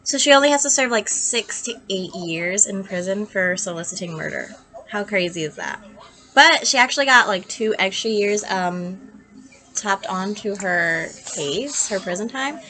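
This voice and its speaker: A woman's voice: medium pitch, lively intonation, normal speed, pushed and bright, low-quality recording. A woman with a congested, nasal, sick-sounding voice tells a true crime case to camera in a chatty, blunt, opinionated way, sounding like it hurts to talk. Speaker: true crime video host. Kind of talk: casual storytelling to camera.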